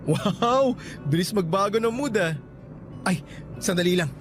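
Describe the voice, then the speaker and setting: An actor plays an easygoing young man courting a woman in a radio romance. His voice sits a little high, with casual, teasing delivery. Faint music plays behind the dialogue. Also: animated, a little slow.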